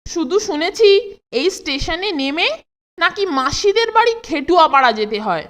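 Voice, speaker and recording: A woman voicing an adventurous, cheeky boy in a children's cartoon, with an animated, teasing delivery. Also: very high voice, normal speed, heavily acted. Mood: teasing, sheepish. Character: adventurous, cheeky Bengali cartoon boy, coaxing his pal.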